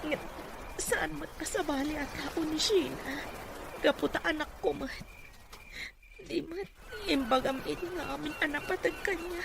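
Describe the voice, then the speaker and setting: A woman's voice: high voice, moderate pace, vocal fry, pauses often, background noise. A woman playing an anxious, pleading mother with a Filipino accent in an Ilocano audio drama. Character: pleading, anxious mother worried for her child.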